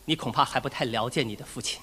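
A man's voice: mid-range voice, fast, bright, forceful tone, in a large hall, a little hiss or hum. A man telling a comic story in a teasing, playful way as the lead in a crosstalk performance.

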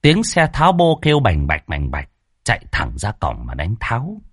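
Husky man telling a ghost story. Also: fairly low pitch, moderate pace, dry recording, studio quality. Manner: lively, dramatic, colloquial. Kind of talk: animated ghost story narration.

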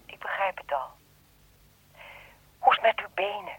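An actress playing a lonely, solicitous old lady with a husky voice in a radio play. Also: medium pitch, expressive, normal speed, a bit bright, no room sound, poor audio. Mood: gentle, curious. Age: older.

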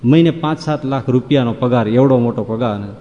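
A man's voice: mid-range voice, brisk, mellow, lo-fi sound. A man giving a devotional discourse in a folksy manner, listing examples in rhythmic runs that rise into exclamations. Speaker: preacher. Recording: long hall reverb.

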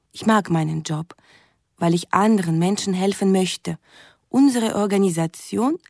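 A woman's voice: fairly low pitch, a little mellow, dry recording, studio quality. An actress playing a cheerful young Russian woman reading her romantic letters aloud in stilted, ungrammatical sentences in a radio drama.

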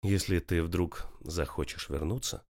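A man voicing a young man who is hurt and angry, speaking low and quiet. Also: measured pace. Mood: subdued. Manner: low, quiet, clipped through teeth.

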